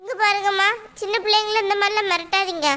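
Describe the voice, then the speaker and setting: Woman voicing a patient cartoon teacher; very high, bright, reasoning tone. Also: steady tone, fast talker. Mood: calm firm. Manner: soothing, firm, reasoning. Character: patient school teacher, calm and weary. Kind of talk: cartoon voice acting.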